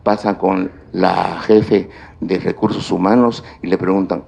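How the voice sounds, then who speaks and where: A man giving a university lecture on grammar, speaking deliberately and listing points one by one. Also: low voice, steady tone, vocal fry, a little mellow. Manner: slow, deliberate delivery with stretched pauses and lists. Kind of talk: classroom lecture on grammar and writing.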